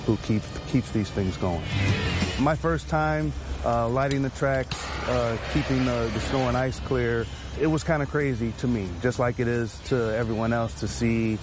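A man who works on the railroad, talking about his job in a relaxed, conversational interview. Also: medium pitch, unhurried, music in the background. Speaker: railroad worker.

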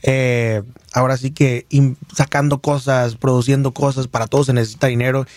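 A man's voice: medium pitch, level tone, normal speed, darkish tone, no room sound. Laid-back man with a Michoacán accent. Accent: Michoacán Mexican Spanish. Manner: rambling, many fillers and restarts. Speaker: singer guest. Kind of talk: casual interview storytelling.

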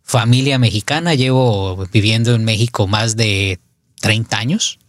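A middle-aged man, a spiritual advisor, talking casually on radio with halting restarts. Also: on the low side, no room sound, studio quality.

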